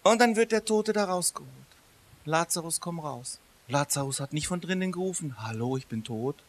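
A man preaching a sermon in a lively, conversational way, swinging between loud emphasis and quiet asides. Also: sits high, moderate pace, a little hiss or hum.

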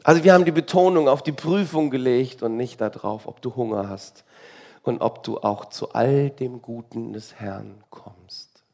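Gravelly-voiced man preaching casually. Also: mid-range voice, moderate pace, a little mellow. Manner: conversational, wry preaching with rhetorical questions. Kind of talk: sermon.

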